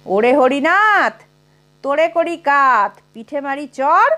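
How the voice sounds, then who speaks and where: A woman voicing a cranky middle-aged male professor who recites spiteful doggerel slowly and grandly, in a Bengali storybook reading. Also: sits high, sing-song, sharp tone, full character voice. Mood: mock-grand. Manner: slow, mock-grand recitation.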